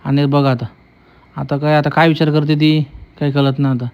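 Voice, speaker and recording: A young man talks through his vlog in a chatty, teasing way, repeating himself as he goes. His voice sits a little high for a man. The audio is dull and lo-fi, as if from a phone. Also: flat delivery, normal speed, clean tone. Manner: chatty, teasing, repetitive running commentary. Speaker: vlogger. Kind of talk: casual vlog commentary.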